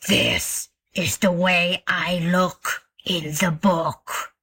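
A woman voicing a hungry male grizzly bear in a storybook reading, speaking slowly and low, half-whispered. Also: sharp tone, husky, heavily acted. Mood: grumbling.

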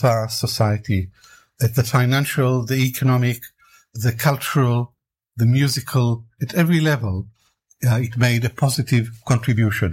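An older man from Iraq, an author giving reflective interview answers in a measured, deliberate way and building his points into emphatic lists. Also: mid-range voice, darkish tone.

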